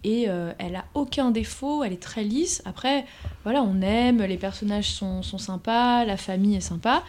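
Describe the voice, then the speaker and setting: A woman with a mid-pitched voice offering her view on a podcast panel. She speaks in a measured, reflective way and pauses briefly now and then. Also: a little mellow. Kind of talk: casual podcast chat.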